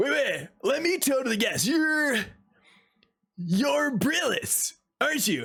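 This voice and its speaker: A man's put-on character voice, extremely high-pitched and enthusiastic in tone, with long, frequent pauses. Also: fairly slow pace. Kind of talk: surfer slang. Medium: actual play. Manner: laid-back, enthusiastic, full of "like" and "you know".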